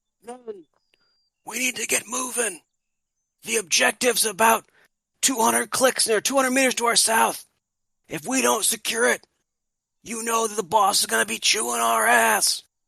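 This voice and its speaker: A man's raspy, put-on character voice, high-pitched for a man, at a moderate pace with long, frequent pauses. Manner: frustrated, urgent.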